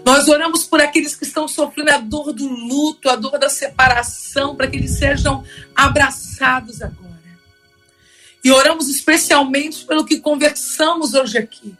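A woman pastor leads a fervent spoken prayer in a radio studio, her voice sitting high. Faint music plays beneath her words. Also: fairly even intonation, normal speed, fairly bright tone. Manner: fervent, rising prayer cadence.

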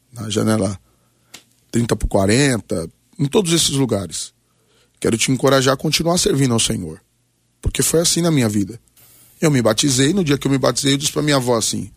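A Brazilian man in his forties with a gravelly, creaky voice of middling pitch, speaking as a pastor. He tells his testimony and exhorts in short, emphatic, preacherly phrases. The sound is dry, with little room around it. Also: dry recording. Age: 40s. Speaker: pastor, guest on a radio debate. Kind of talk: personal testimony and exhortation in a talk programme.

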